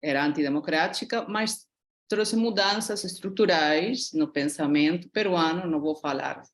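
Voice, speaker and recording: Peruvian-accented woman, low-pitched, talkative. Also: moderate pace. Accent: Peruvian Spanish. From Peru. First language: Spanish. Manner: animated, talkative, reflective. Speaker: student asking a question. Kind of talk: online class comment.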